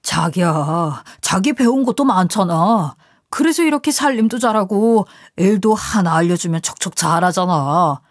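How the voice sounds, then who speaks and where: A woman's voice: medium pitch, animated, measured pace, darkish tone, slightly rough, dry recording. A woman voicing a manipulative, threatening husband in an audio story, coaxing and menacing by turns, recorded dry and close.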